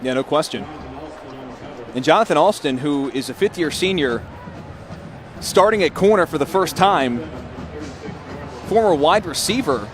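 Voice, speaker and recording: A man's voice: on the high side, lively intonation, measured pace, long pauses, music in the background. A man giving conversational color analysis during a live American football broadcast. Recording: broadcast booth, stadium noise behind.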